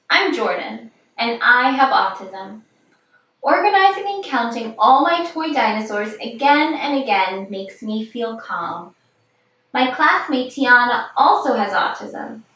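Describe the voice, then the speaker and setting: A woman's voice: on the high side, sharp tone. Echoey, distant woman reading a children's book. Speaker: picture-book reader. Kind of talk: read-aloud of a children's picture book.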